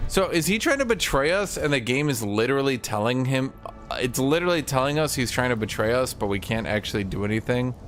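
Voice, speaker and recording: A man's voice: mid-range voice, expressive, fairly quick, a bit bright. A man streaming a game with casual live commentary, griping and swearing in exasperation. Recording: game music behind the voice. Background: video game music.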